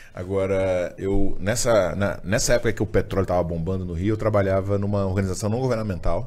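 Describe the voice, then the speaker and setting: Very deep and low in pitch, a man's voice has a dark, mellow tone as he talks at a fairly quick pace. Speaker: podcast host, entrepreneur. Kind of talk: casual interview.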